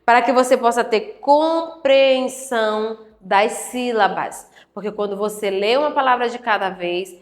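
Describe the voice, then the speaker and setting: Slow, echoey woman teacher. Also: fairly high pitch. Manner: slow, clearly syllabled, encouraging questions to students. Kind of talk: slow classroom lesson for adult learners.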